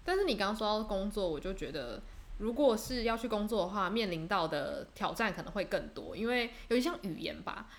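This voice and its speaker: A woman's voice: mid-range voice, lively intonation, brisk. A young woman from Taiwan co-hosting a podcast, chatting casually and reflectively, with fillers and restarts. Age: young adult. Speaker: podcast co-host. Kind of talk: casual chat.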